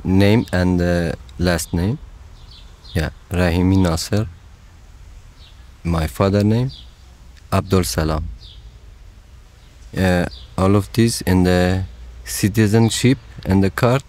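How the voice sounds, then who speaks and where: Low-voiced man, halting speech. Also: a little mellow. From Afghanistan. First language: Persian. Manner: halting, simple broken phrasing. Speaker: podcast subject telling his story. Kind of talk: casual interview in halting English.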